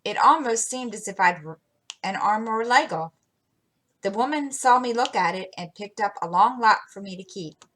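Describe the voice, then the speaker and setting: A woman's voice: mid-range voice, lively intonation, normal speed, fairly bright tone, poor audio. A woman reading as a spirited young heroine. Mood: eager. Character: spirited teenage girl heroine, impulsive.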